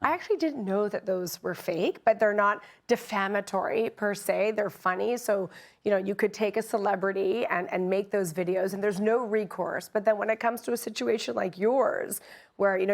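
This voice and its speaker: A woman on a TV panel show giving wry, analytical commentary. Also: mid-range voice. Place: TV studio.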